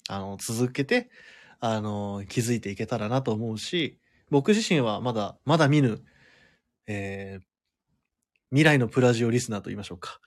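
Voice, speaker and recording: A man hosting a live radio show alone, chatting in a relaxed way, laughing often as he reads listener comments. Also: on the low side, moderate pace.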